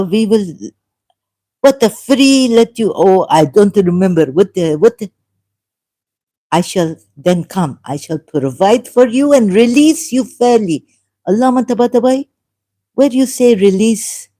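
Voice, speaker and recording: A woman reads scripture aloud in a slow, unhurried way and comments on it as she goes. Her voice is mellow and soft-edged. She muses, breaks off mid-phrase and puts pointed questions to her listeners. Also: on the high side. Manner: argumentative, asks the listener questions. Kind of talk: solo video commentary reading scripture aloud.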